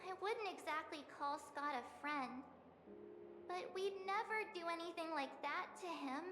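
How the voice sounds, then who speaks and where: An actress playing a perky, earnest young girl adventurer in an anime-style video game, expressive and youthful. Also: very high-pitched, measured pace, reverberant, long reverb tail, noisy background. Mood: uneasy, defensive. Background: game music.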